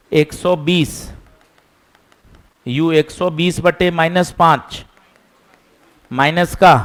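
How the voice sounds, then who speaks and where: Slow, patient male physics teacher. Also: fairly high pitch. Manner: patient, repeats steps, scolds chatter. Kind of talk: classroom lesson.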